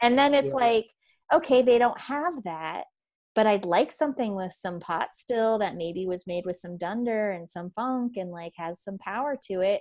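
A woman with an American accent at medium pitch, an ordinary speaking voice, lively intonation, big swings in loudness, and a moderate pace, on a very clean recording with a silent background. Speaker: podcast host; rum distiller.

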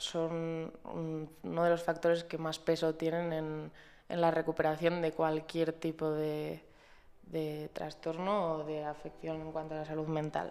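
A woman with a Spanish accent speaks in a fairly low voice. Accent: Spanish (Spain). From Navarra, northern Spain. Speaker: psychology intern. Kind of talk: podcast interview. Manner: halting.

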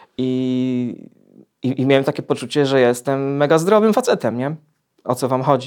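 The man talks at a moderate pace and a medium pitch, with ordinary pitch variation. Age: 40s. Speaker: poet and recovering alcoholic. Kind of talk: personal testimony in interview. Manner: halting, many repetitions and fillers.

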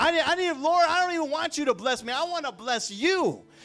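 The man's voice shows ordinary pitch variation. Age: 40s. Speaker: pastor. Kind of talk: sermon. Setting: church.

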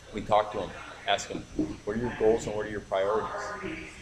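With noticeable background noise and audible room echo, a man with an American accent speaks very fast in a fairly low voice. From Cleveland, Ohio. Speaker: gym owner and fitness coach. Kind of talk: casual interview. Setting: in a gym during a workout. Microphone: poor audio quality.

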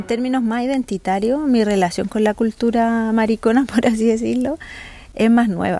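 A woman with a fairly high pitch and a dark, mellow tone speaks at a moderate pace. Her intonation is fairly even. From Chile. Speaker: museum project member. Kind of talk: testimony.

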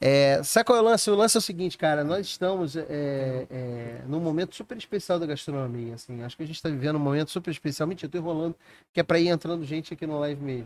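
Talking very fast, a man with a fairly high pitch uses lively intonation. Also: dry, close sound with no echo. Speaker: podcast host. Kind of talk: casual chat. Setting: live stream. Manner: speaking quietly and calmly.

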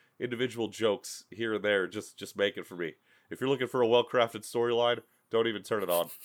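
Talking at a very fast pace, a man of medium pitch keeps a fairly even intonation while his loudness swings widely. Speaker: podcast host guest. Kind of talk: casual chat. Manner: halting.

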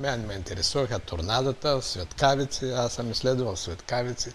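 Somewhat breathy, a man speaks at medium pitch and a moderate pace with ordinary pitch variation. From Bulgaria, Maglizh (Stara Zagora region). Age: 70s. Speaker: physicist and astronomer. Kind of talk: interview. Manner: halting.

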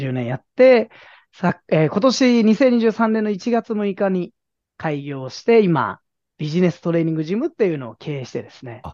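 The speaker talks at a moderate pace over a quiet background. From Japan, Chiba. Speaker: company founder and education trainer. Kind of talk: interview. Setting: remote call.

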